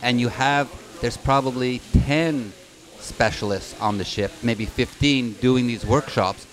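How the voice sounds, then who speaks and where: A man's voice: mid-range voice, a little slow, poor audio. A man hosting a casual podcast with sponsor reads, recorded in a hotel lobby. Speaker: podcast host.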